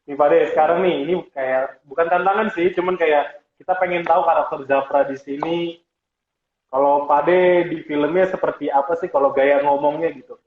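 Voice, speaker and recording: A male host asks questions in an eager, upbeat way. His voice sits fairly high. It comes through thin, like a phone line, with a roomy echo around it. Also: fairly even intonation, moderate pace. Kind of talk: casual interview. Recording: tinny phone-like sound in an echoey room.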